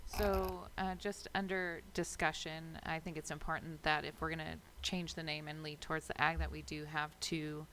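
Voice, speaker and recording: An American woman chairs a council meeting as mayor. Her voice is very low for a woman and moves little in pitch. Faint room noise sits behind her remarks. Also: little pitch movement, normal speed, few pauses, fairly bright tone, rough recording. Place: city council chamber.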